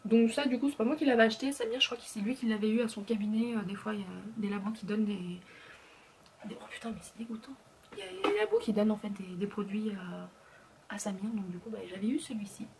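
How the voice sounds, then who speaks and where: A woman's voice: mid-range voice, quick pace, a little mellow, slight background noise. A woman in her thirties chatting casually as a beauty vlogger, full of fillers and restarts, sometimes dropping to a murmur. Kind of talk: casual chat.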